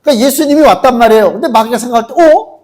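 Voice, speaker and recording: A man delivers a Sunday sermon in a strikingly high voice. He preaches with strong emphasis and often slips into quoted voices to make his point. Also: racing, darkish tone. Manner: emphatic preaching, acts out quotes of demons and Jesus. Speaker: pastor.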